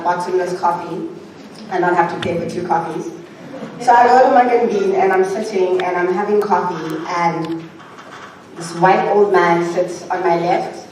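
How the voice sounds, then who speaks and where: A woman's voice: on the low side, distant mic, slight background noise. Woman in an echoey hall. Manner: animated, laughing storyteller. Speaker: audience member. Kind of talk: telling a story during a Q&A.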